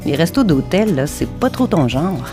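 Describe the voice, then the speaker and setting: A woman's voice: sits low, very animated, moderate pace. An actress playing a curious, starstruck woman in a scripted café sketch. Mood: teasing. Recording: music behind the voice.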